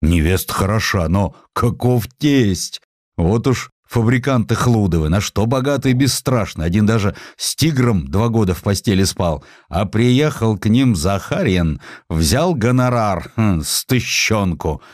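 A man's voice: fairly low pitch, expressive, unhurried, darkish tone, no room sound, studio quality. A man voicing a young hussar's gossipy friend, telling exaggerated anecdotes as a warning in an audiobook.

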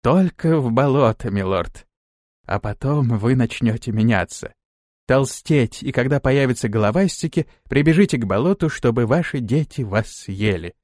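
A man voicing a dutiful female servant in an audiobook, speaking in a quiet, lifeless, slow voice. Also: medium pitch, lively intonation, no room sound, studio quality, lightly acted. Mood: solemn.

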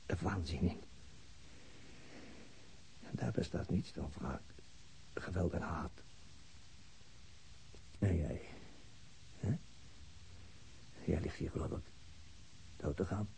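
Wounded cop in a radio play, very slow creaky murmur drifting into whispers, dazed and despairing. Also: male voice, low-pitched, dark tone, slight background noise, full character voice, rough recording. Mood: weary, despairing. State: weak, whispering, near death. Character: wounded policeman lying motionless, dazed, talking to himself. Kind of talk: radio drama inner monologue.

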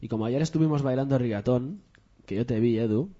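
Mellow, husky Catalan radio host. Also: male voice, mid-range voice, quick pace. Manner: loose and chatty, switches between Catalan and Spanish, many fillers. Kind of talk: casual radio chat. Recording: dull lo-fi radio recording.

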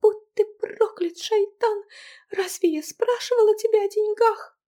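A woman voicing a hot-tempered, stubborn young woman who shouts her lines shrilly in an audiobook. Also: extremely high pitch, measured pace, voice pushed up. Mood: angry.

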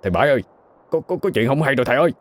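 A man's voice: sits low, expressive, brisk, a little mellow. A man voicing an anxious older village man who talks urgently. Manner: urgent, stammering.

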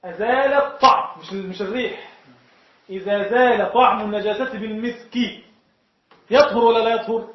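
A man with an Egyptian Arabic accent leads a classroom lesson on jurisprudence and keeps asking the class whether each point is clear. His voice sits high. The recording is dull and lo-fi, with heavy echo from the lecture room. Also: steady tone, brisk. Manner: explains point by point, often asks the class if it is clear. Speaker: sheikh teaching Shafi'i jurisprudence.

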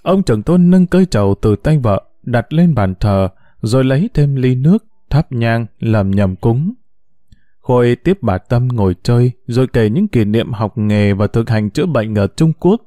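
A man narrating a story in an expressive, emotive way. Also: medium pitch, normal speed, dry recording, studio quality.

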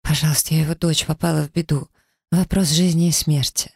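A man's voice: on the high side, steady tone, brisk, vocal fry, slightly rough, no echo, clean studio sound, voice pushed up. A man voicing a frightened young woman who pleads through tears in an audiobook. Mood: desperate. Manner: pleading, tearful.

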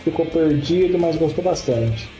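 A man's voice: a little high, moderate pace, mellow, muffled recording. A young Brazilian man with a Brazilian Portuguese accent, co-hosting a podcast in casual, joking chat and swearing freely. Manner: jokey, swears freely, laughs a lot. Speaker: podcast co-host. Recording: roomy echoey home recording. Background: faint guitar music.

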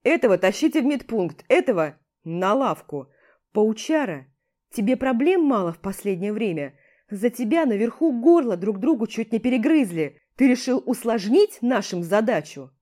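A woman's voice: on the high side, big pitch swings, normal speed. A woman reading an audiobook voices a furious, sarcastic male army commander who barks orders. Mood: yelling. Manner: barking orders, yelling.

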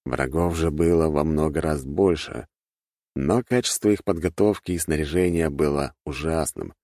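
A man narrating a fantasy audiobook in a steady, even reading voice, recorded close to the mic. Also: rumbling low, moderate pace, no room sound.

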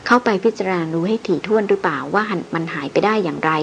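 Firm, commanding male expedition chief, voiced by a woman narrator, lowered voice. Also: fast talker, creaky, a little hiss or hum. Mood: stern. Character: stern male expedition leader, calm and commanding.

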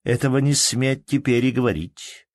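A man voicing a young woman who is loving, lively and playfully commanding, in an audiobook reading. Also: mid-range voice, moderate pace, no echo, clean studio sound, pitched above the performer's own voice, natural voice. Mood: playfully bossy.

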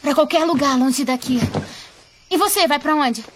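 High-voiced, breezy young Brazilian woman by an actress. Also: moderate pace, lightly acted. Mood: casual. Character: breezy, restless young female hitchhiker. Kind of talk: Brazilian Portuguese film dub. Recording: clear background noise, clicks.

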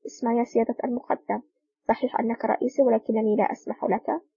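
A woman's voice: a little high, little pitch movement, fast, vocal fry, dark tone, breathy edge, dry recording, lo-fi sound. A woman reading a stubborn young lieutenant. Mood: defiant. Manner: defiant.

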